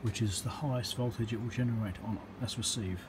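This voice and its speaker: A man's voice: lowish voice, steady tone, fairly quick. A man giving a casual, hands-on electronics repair demonstration, talking matter-of-factly through each step as he works. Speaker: electronics repairer and video host. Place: indoor electronics workbench. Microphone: handheld camera or phone microphone. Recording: loud hiss and background noise, handheld camera.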